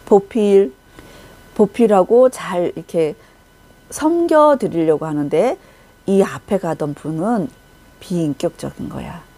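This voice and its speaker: Mellow-voiced woman giving a church testimony. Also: fairly low pitch, expressive, slow. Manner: vivid storytelling, acting out shouted quotes. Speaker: testimony speaker. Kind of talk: Christian testimony, recounting a vision.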